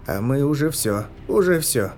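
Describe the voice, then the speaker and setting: A man voicing a brisk woman healer in a storybook reading, hurried and firm. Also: medium pitch, animated, darkish tone, soft background music, pitched above the performer's own voice, natural voice. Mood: coaxing. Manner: hurried, coaxing, then commanding.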